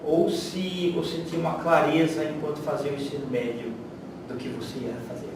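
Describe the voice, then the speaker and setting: Higher-voiced Brazilian male interviewer, heavy echo. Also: fairly quick. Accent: Brazilian Portuguese. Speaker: interviewer, host. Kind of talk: conversational interview. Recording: very echoey, noisy room, distant microphone.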